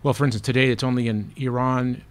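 Measured male professor with many pauses. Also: mid-range voice, steady tone. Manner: thoughtful, many fillers and restarts. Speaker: professor on a panel. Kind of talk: answering audience questions. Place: small seminar room. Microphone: table microphone.

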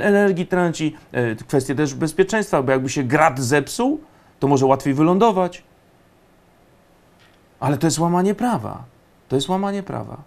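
A man giving indignant, emphatic political commentary, often pausing on fillers. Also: a little high, creaky, a little mellow.

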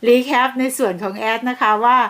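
A woman's voice: a little high, a little fast. A woman hosting a celebrity gossip channel, chatting and gushing with frequent exclamations. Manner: gushing, exclaims and laughs often.

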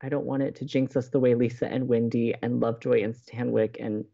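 A woman playing an anxious, stubborn young college radio host in an audio drama, with a flustered, halting, emphatic way of talking. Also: extremely low pitch, fairly even intonation, creaky, dark tone, highs cut off, exaggerated voice. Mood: anguished. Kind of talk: naturalistic audio drama acting.

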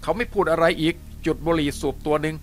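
A man's voice: a little high, fast talker. A man steadily and expressively reading a novel aloud as a storyteller. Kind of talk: audiobook narration of a novel. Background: faint music.

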